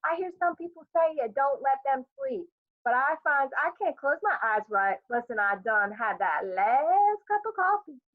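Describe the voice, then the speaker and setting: A woman voicing a squeaky, effusive neighbor woman who gossips in a folksy dialect and plays up every bit of news with melodrama. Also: expressive, normal speed, no room sound. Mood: gushing. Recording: dry, tinny phone-like sound.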